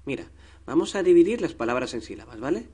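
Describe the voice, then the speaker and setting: A man's voice: fairly high pitch, very animated, fast talker, warm tone, breathy edge. A man teaching a grammar lesson to children, patient and coaxing, stretching out syllables.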